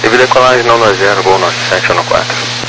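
A man's voice: fairly low pitch, a little fast. A male airline pilot talking over aviation radio, making clipped, routine calls to air traffic control.

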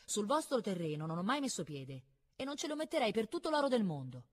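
A woman's voice: medium pitch, very animated, brisk, husky, pitched above the performer's own voice. A woman reading aloud and voicing a proud, touchy young noble boy who speaks indignantly and boastfully.

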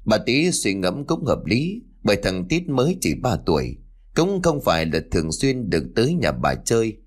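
A man narrating a spooky family story in an expressive, dramatic storytelling style. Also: fairly low pitch, moderate pace. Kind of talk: scripted narration. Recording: faint background music.

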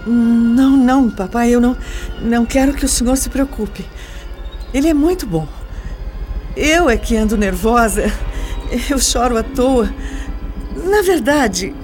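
Anxious, high-voiced young daughter. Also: female voice, lively intonation, unhurried, long pauses, darkish tone, faint music behind. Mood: anxious, restrained. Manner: pleading, restrained, earnest. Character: anxious, tearful young woman, respectful devoted daughter in love. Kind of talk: radio soap opera acting.

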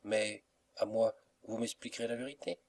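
A shy, anxious young woman from a storybook, asking hesitant, pleading questions, as a man reads her lines in his own fairly low voice. She sounds timid and unsure of herself. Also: fairly even intonation, moderate pace.

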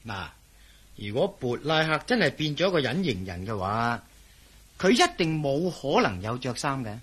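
An actor playing a jovial, skeptical police officer in a radio drama, speaking with a chuckling, doubting manner. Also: male voice, medium pitch, very animated, normal speed, a bit bright, breathy edge.

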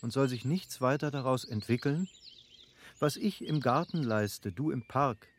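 An actor in a classic German radio play playing an eager, affable middle-aged baron who argues in formal, rhetorical phrases. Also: male voice, mid-range voice, animated, measured pace, slight background noise, natural voice. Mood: reasoning, hopeful.

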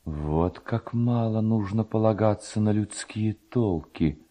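A male reader plays a dreamy young Cossack from a storybook tale. He muses softly and tenderly, in a low, mellow voice full of wonder. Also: slow pace.

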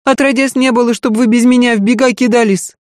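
Brief: shrill, fast, loud tearful peasant maid, voiced by a woman narrator, dry close sound. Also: steady tone, dry recording, close to an everyday voice. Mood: wailing fuss. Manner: wailing, rapid, folksy lamenting. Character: fussy tearful peasant maidservant, middle-aged woman.

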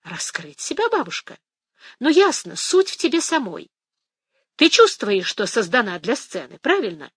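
A woman's voice: a little high, very animated, moderate pace, a bit bright, slightly rough, no echo, clean studio sound, voice pushed up, heavily acted. Woman reading as a cheeky, headstrong young woman. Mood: defiant. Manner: cheeky, defiant.

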